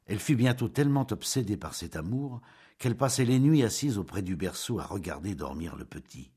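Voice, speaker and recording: A man narrating a classic novel with expressive, dramatic storytelling. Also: fairly low pitch, fairly quick, breathy edge. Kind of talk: literary audiobook reading.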